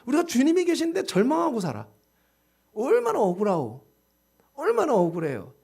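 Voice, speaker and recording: A pastor delivers a passionate sermon in a high, bright voice that leaps up and down in pitch. He fires rhetorical questions at his congregation and swings from ringing exclamations to quiet, drawn-out asides. Lively and insistent throughout. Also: vocal fry, breathy edge. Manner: swings between loud exclamations and hushed, slow asides.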